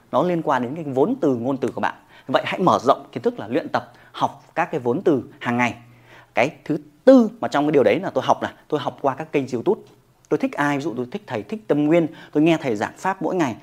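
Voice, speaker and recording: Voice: medium pitch, a little mellow, slightly rough. A yoga instructor giving a motivational talk to camera, emphatic and often checking in with the listener through rhetorical questions.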